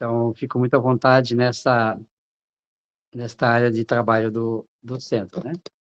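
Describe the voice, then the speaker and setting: Monotone and flat in intonation, the voice moves at a fairly slow pace with long, frequent pauses in a dry, close sound with no echo. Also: man, medium pitch for a man. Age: 70s. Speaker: spiritist lecturer. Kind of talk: lecture. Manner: halting.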